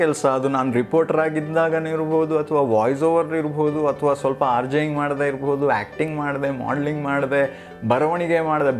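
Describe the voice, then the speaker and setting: Clear music plays in the background while the voice holds a very even loudness. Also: man. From Mangalore, India. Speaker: voice-over artist. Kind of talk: interview answer. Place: home room. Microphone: lapel.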